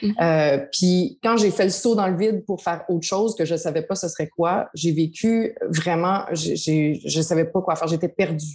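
Dark and mellow, a woman's voice sits at medium pitch with ordinary variation. Her pace is moderate. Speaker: filmmaker. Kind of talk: interview.

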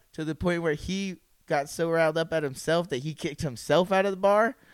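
A man speaks in a plain, everyday voice at a moderate pace. His pitch is fairly high, with ordinary variation. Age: 20s. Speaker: stand-up comedian. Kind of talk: casual chat.

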